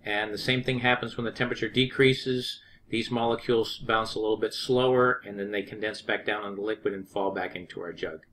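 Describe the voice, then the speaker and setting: A man, an HVAC instructor, explaining refrigerant pressure step by step over drawn diagrams in a plain, unhurried way with frequent restarts. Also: fairly low pitch, steady tone, a bit bright, a little hiss or hum.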